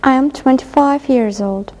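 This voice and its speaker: Female class assistant, high and mellow voice, short simple answers. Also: a little slow.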